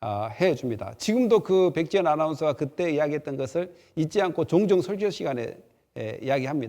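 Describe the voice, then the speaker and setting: Dark and mellow in tone yet fairly high in pitch, a man speaks at a fairly quick pace with lively intonation. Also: very clean recording, silent background. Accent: strong Jeolla. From Korea, Jeolla region. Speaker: pastor. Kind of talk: sermon. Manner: halting, many fillers.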